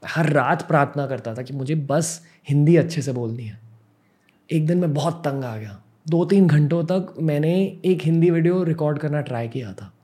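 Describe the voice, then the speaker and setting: A man's voice: fairly high pitch, normal speed, mellow, slightly rough. Earnest young man telling his story. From Mumbai, India. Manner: earnest, reflective, mixing English words into Hindi. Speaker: podcast host. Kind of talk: personal storytelling monologue.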